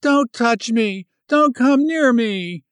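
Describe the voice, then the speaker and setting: A feverish, distraught young woman, voiced by a male reader, pleading in a high, wildly rising voice. The tone is smooth and the sound dry. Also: lively intonation, measured pace, no echo. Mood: frantic. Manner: desperate, pleading.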